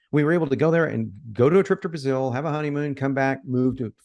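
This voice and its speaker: Over a quiet background, a man with a Texan accent speaks very fast at a medium pitch with ordinary pitch variation. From Texas. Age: 50s. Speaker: copywriter. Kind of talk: casual interview chat. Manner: animated.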